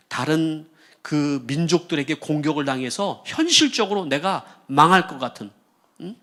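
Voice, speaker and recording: A male pastor preaching a sermon, asking the congregation questions and acting out the voices in the quoted passages. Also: fairly high pitch. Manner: animated preaching, asks the congregation questions, acts out quoted speech. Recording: church service stream.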